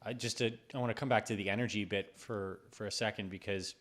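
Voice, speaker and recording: A man's voice: lowish voice, steady tone, quick pace, fairly bright tone. A man hosting a podcast interview, affirming and encouraging his guest. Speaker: podcast host. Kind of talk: interview host.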